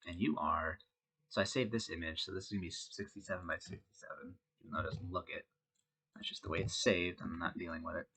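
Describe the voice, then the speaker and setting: Congested low-voiced man coding aloud. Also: fast talker, breathy edge. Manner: relaxed, thinking aloud with many fillers. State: congested from a head cold. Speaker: web design instructor. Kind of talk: screen-recorded coding tutorial.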